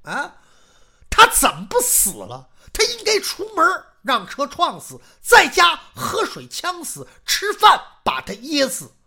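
A woman storyteller voicing a blunt, righteous old female servant who scolds her mistress in rapid tirades. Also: extremely low pitch, very animated, voice pushed down, heavily acted. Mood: indignant.

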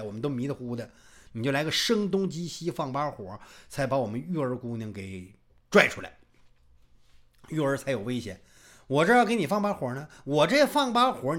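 A male storyteller narrating in a traditional style, animated and emphatic with drawn-out phrases. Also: mid-range voice.

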